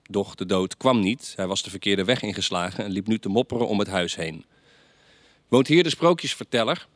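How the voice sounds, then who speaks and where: A man reading stories aloud at a reading night, measured, chatting lightly between pieces. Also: low voice, dry recording.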